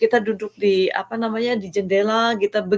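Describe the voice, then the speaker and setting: Dry and close with no echo, a woman's medium-pitched voice moves at a fairly quick pace with fairly even intonation. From Central Java, Banyumas. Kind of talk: testimony. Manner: halting, many fillers.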